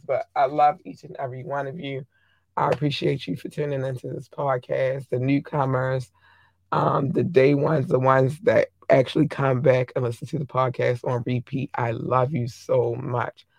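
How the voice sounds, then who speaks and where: A hoarse podcast host chatting casually, affectionately shouting out listeners country by country. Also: mid-range voice, dry recording.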